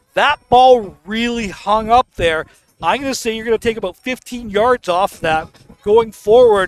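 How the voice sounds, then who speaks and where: Music plays behind a man speaking at a fairly slow pace with a high pitch and ordinary pitch variation. The sound is dry and close, with no echo. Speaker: color commentator, former league participant. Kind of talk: live sports commentary, analysis. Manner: relaxed, analytical, conversational.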